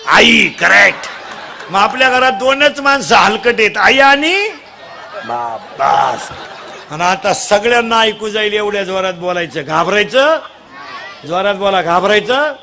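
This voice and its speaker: A man leading a comic devotional kirtan, teasing the crowd and quizzing children, urging them to answer loudly. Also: high voice, lively intonation, measured pace, gravelly. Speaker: kirtan preacher. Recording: live crowd with faint noise.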